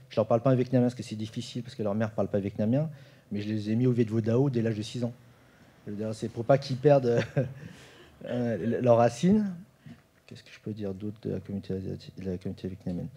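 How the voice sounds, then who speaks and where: Very dark-voiced man speaking at a panel. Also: medium pitch, steady tone, fast, slightly rough. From France. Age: 40s. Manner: hesitant, many fillers and restarts. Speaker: roundtable panelist. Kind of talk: informal conference talk. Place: conference room.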